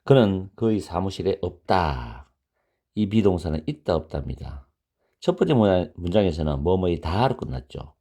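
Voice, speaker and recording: A male English teacher gives a beginner grammar lecture at an unhurried pace. His voice is very low and dark, and it rises and falls a lot as he repeats example sentences.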